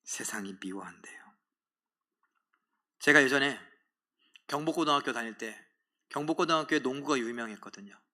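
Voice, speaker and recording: A middle-aged male pastor preaching a sermon, swinging between loud emphatic outbursts and hushed, whispered asides. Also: medium pitch, fast.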